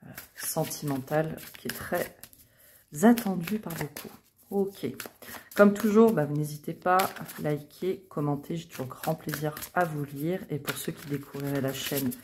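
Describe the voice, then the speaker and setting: A woman's voice: deep voice, slight background noise. Chatty French-speaking woman reading tarot. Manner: chatty, many fillers like euh and hein, soft asides. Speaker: tarot reader, channel host. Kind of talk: casual tarot reading to camera.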